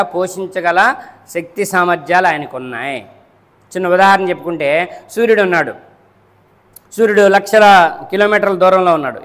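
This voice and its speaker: High-voiced man preaching in an echoing hall. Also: fairly bright tone. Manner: rhetorical, keeps checking the listeners understand; repeats and counts off points. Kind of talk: Friday sermon. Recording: long echo of a large hall.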